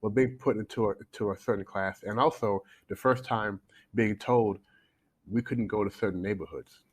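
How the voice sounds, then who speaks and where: A talkative man in his forties, raised in Canada, telling his life story in a podcast interview. His voice sits fairly low, and he restarts sentences and repeats words while he thinks. He talks in a loose, casual way. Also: fairly even intonation, normal speed, breathy edge. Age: 40s. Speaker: guest, coach. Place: home in China, remote call.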